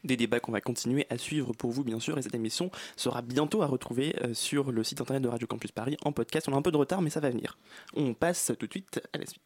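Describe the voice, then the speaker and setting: A man hosting a radio show, reading brisk scripted links between segments. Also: mid-range voice, darkish tone. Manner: brisk, reads transitions.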